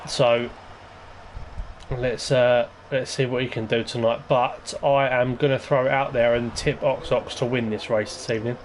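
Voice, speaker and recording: A man's voice: mid-range voice, steady tone, moderate pace, a little hiss or hum. A man commentating casually on an online racing league, rambling and hesitant with lots of ums. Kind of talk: casual race-preview commentary.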